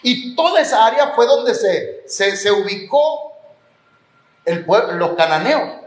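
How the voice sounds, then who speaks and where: Preaching in an echoey church hall, a Mexican Spanish-accented pastor speaks in a high voice with big pitch swings, never hurrying. His sermon builds with rising emphasis and includes the odd joke.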